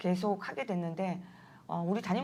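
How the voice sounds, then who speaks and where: A woman is talking. Her pitch is medium. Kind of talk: live stream talk show chat. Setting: live broadcast studio. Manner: loud, strong voice.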